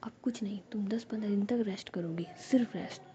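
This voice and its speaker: A woman's voice: medium pitch, fast talker, warm tone, slight background noise, close to an everyday voice. A woman voicing a caring young woman who scolds her partner, spoken in a whisper. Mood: scolding. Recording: dull lo-fi recording.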